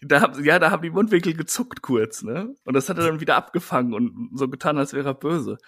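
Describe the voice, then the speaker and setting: A man's voice: on the high side, expressive, fast, fairly bright tone, breathy edge. A man co-hosting a casual wrestling podcast, ranting in an exasperated way. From Germany, Siegerland. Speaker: podcast co-host.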